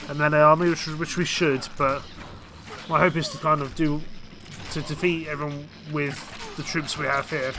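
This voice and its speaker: A man with a cold and a croaky voice, giving casual, hesitant commentary while playing a strategy game. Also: a little high, level tone, moderate pace, noisy background. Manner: hesitant, full of ums and restarts. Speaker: game streamer.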